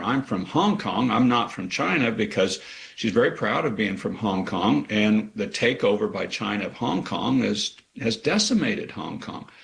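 A man from Kansas, an author answering interview questions in an earnest way that turns emphatic. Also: vocal fry. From Kansas, USA. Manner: earnest, grows emphatic with sharp pitch rises. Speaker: author guest.

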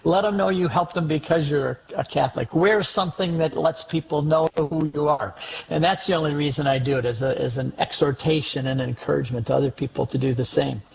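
A man's voice: on the high side, fairly even intonation, fairly quick, creaky, slight background noise, poor audio. A man speaking as an interview guest, telling a story earnestly and urging listeners to act on their faith. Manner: earnest, exhorting.

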